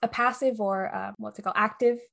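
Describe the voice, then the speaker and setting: Young woman on a podcast, mid pitch, careful and thoughtful when she talks. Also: fairly even intonation, fairly quick, gravelly, fairly bright tone. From United States. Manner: thoughtful, explains carefully, asks for clarity. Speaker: podcast co-host. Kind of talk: casual chat.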